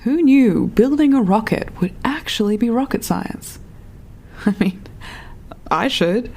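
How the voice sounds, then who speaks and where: A woman's voice: fairly high pitch, expressive, slow pace, a little mellow, heavily acted. An actress playing an anxious, wry young woman building a rocket and keeping an audio log in a sci-fi drama, polite and a little self-doubting. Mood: musing, uneasy. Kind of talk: audio drama monologue as spoken recording.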